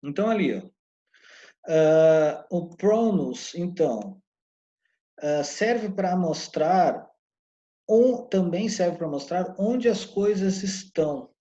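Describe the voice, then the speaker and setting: A man with a Brazilian Portuguese accent teaching an online English lesson, explaining patiently and sounding out English words slowly. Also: high voice, animated, dark tone, lo-fi sound.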